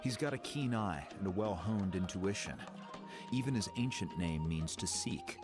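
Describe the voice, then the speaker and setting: Deep-voiced, calm tribal mentor. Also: male voice. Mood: calm, explanatory. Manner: measured, explanatory, encouraging. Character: calm, helpful tribal mentor man explaining lore. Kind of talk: video game dialogue. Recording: game music clearly behind.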